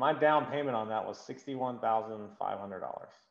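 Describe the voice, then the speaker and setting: A man speaks at a moderate pace in a medium pitch, with ordinary pitch variation and audible room echo. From US South, South Carolina (Greenville). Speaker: short-term rental investor and entrepreneur. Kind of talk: interview conversation.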